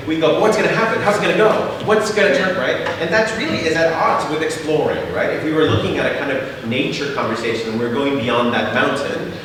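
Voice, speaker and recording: A middle-aged man, native Spanish speaker from Mexico, presenting his theater company with slides, full of "uh"s and rhetorical "right?". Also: on the high side. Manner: many filler sounds, frequent rhetorical "right?". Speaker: theater company artistic director giving a talk. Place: large echoing hall. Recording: echoey hall, voice from far off, faint noise.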